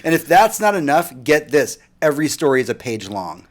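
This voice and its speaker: A man's voice: a little high, big pitch swings, fairly quick. A man hosting a casual podcast chat, moving through topics loosely and laughing along the way. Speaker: podcast host.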